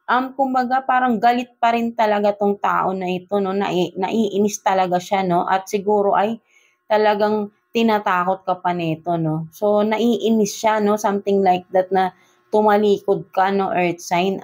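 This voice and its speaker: A woman's voice: mid-range voice, darkish tone. A woman with a Filipino accent giving a casual tarot love reading, switching between Tagalog and English and tagging nearly every phrase with a questioning "no?". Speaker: tarot reader.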